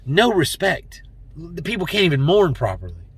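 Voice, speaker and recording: A man's voice: a little high, sing-song, moderate pace, slightly rough. A man vlogging, rambling and heartfelt, emotional and holding back tears, with many fillers. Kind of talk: personal talk to camera.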